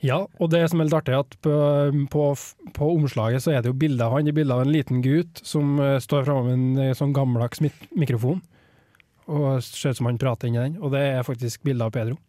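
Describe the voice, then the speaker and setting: A man's voice: medium pitch, steady tone, dark tone, no room sound. A man reviewing a book and reading a poem aloud on a radio show, talking hesitantly with many fillers.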